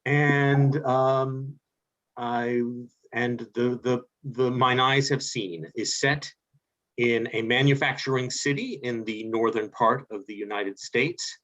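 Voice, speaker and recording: A man's voice: mid-range voice, slow, fairly bright tone. A man reading stage directions aloud for a play reading held on a video call. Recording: muffled, lo-fi video call audio.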